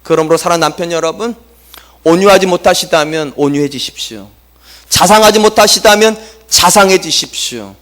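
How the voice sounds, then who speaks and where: A middle-aged man preaching a Sunday sermon as pastor, lively and humorous, acting out quotes from the people he speaks about. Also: a little high, brisk. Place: church sanctuary.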